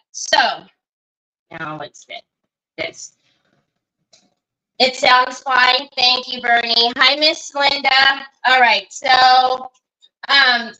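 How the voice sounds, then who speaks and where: A woman with a high, bright voice hosts a casual crafting livestream from her computer mic. She talks in a slow, easygoing way, stopping often to greet viewers by name. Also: highs cut off. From Northern California.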